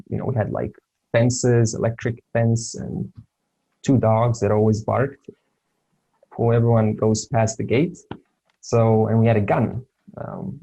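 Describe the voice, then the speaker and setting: Serbian guy, first language serbo-croatian, teaching casually, kinda low husky voice, lots of uhs and ums. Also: dark tone, rough recording. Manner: hesitant, many fillers and restarts. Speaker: spiritual teacher. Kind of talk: informal lesson talk.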